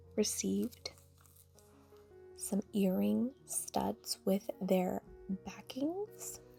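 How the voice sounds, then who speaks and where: Faint music plays in the background as a woman speaks very slowly, with long, frequent pauses. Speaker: makeup content creator. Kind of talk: ASMR unboxing. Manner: whispered. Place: home room.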